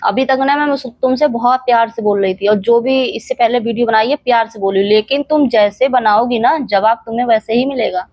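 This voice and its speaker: A young woman addresses her camera in a heated reaction vlog, firing rhetorical questions at an absent rival and scolding her directly. Her voice sits a little high. The sound is dry and close, with no room around it. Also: fairly quick, few pauses, a little mellow, no echo. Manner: rhetorical questions and repeated challenges. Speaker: reaction channel creator.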